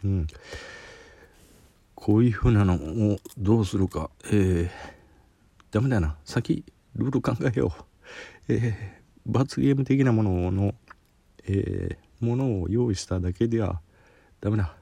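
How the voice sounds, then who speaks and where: A man's voice: on the low side, a little slow, creaky, long pauses, mellow, husky, dry recording. A man with a Kansai accent talking casually on a solo podcast while reviewing a spicy snack, sweaty and sniffling. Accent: Kansai Japanese. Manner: chatty, self-deprecating, sniffling while eating spicy food. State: sweating and runny nose from spicy food.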